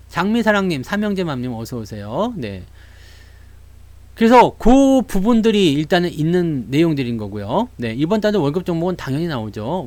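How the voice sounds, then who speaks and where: Lively high-voiced man talking stocks. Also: no room sound. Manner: animated, acts out investors' voices. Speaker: stock market YouTuber. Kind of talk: casual live-stream market talk.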